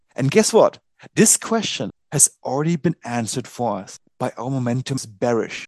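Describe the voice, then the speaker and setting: A man's voice swings very widely in pitch, with a dry, close sound and no echo. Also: medium pitch for a man, moderate pace. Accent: German. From Germany. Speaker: trading software founder and conference speaker. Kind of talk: conference presentation with screen share.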